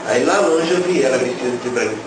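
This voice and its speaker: A fast-talking man with an expressive, medium-pitched voice gives an emotional religious testimony. He tells his story and voices the dialogue himself. The audio sounds distant and echoey, with room noise.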